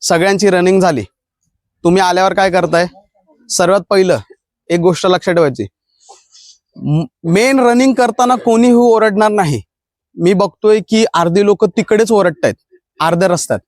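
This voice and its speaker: A running coach with a high, clear male voice and a firm, direct way of instructing his trainees. The sound is dry and close, with little room around it. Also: moderate pace, long pauses, dry recording. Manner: shouts encouragement, then lectures firmly. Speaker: police recruitment fitness coach. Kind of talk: outdoor coaching of runners.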